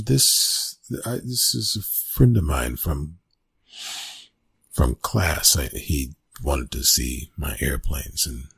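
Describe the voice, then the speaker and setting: A man playing a flustered, awkward young college bully in a one-sided ASMR roleplay, stammering and evasive, with a husky, gravelly voice. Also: rumbling low, fairly bright tone, dry recording, exaggerated voice. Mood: nervous, caught out. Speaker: roleplay audio performer.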